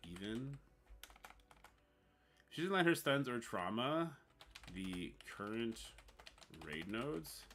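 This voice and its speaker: Lively low-voiced man with a Newfoundland accent. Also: background noise. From Newfoundland, Canada. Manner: reads on-screen text aloud haltingly, chats with viewers. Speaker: livestream host. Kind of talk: casual livestream chat.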